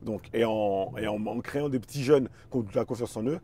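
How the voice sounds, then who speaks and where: A man's voice: fairly low pitch, brisk, dark tone, slightly rough. A man, talking casually and reflectively as an interview guest, often repeating words as he searches for phrasing. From Paris suburbs, France. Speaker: interview guest, chess teacher and performer.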